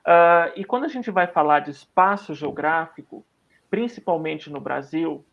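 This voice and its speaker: A man's voice: a little high, a little slow, gravelly. A man moderating a literary panel over a video call. He guides the discussion in an analytical way. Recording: muffled lo-fi audio.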